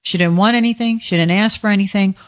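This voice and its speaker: A woman's voice: medium pitch, quick pace. A woman who has long produced the show, in casual chat, chiding and protective as she talks back to the host.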